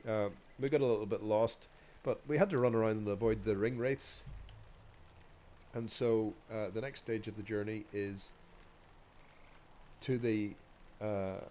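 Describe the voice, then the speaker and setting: A man's voice: lowish voice, unhurried, long pauses, a little mellow, slight background noise. A man with a stuffy, nasal voice from a cold, rambling hesitantly as he hosts a walk-along video, with many ums and restarts. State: stuffy nose from a cold, coughing. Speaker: video host.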